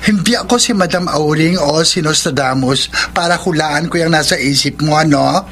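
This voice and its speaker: A man's voice: on the high side, normal speed, fairly bright tone, a little hiss or hum. An actor playing a campy, playful gay best friend in a Filipino radio drama, a young man with a Filipino accent and an exclamatory manner. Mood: teasing. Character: flamboyant, teasing, openly gay male best friend, young adult.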